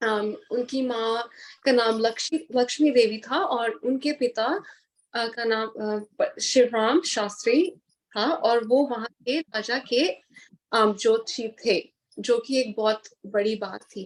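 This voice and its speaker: Fairly high female voice, its pitch varying in an ordinary way. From born in Punjab, India, raised in Australia from age 8. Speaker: guest speaker, Hindi literature enthusiast. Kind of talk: presentation at online literary event. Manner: hesitant, many fillers.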